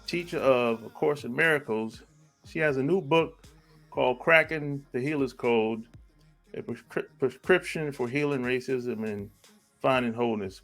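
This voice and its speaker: Relaxed male podcast host. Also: mid-range voice. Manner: relaxed, backchannels with frequent "yeah". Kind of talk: casual interview conversation.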